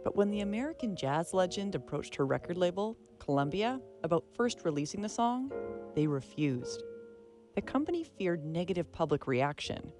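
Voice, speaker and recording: Low voiced lady hosting an arts radio show, scripted read, bit of music behind. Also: sing-song, moderate pace.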